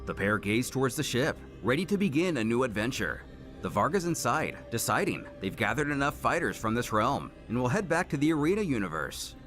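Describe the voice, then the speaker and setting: A man narrates a scripted story fairly quickly, his pitch rising and falling with lively energy. He slips wry asides between plot beats while faint music plays quietly underneath.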